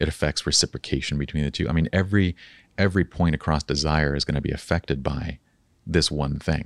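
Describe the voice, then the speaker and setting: Very fast speech with vocal fry and fairly even intonation, dry and close with no echo. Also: man, very deep, low pitch for a man. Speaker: wedding photographer and podcast host. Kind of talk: casual podcast conversation.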